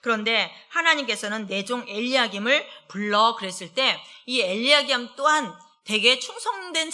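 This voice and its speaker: Bright-voiced woman pastor preaching. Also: fairly high pitch. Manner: chatty, asks the congregation rhetorical questions; slows down when reading scripture aloud. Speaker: associate pastor. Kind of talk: conversational midweek sermon. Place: church service.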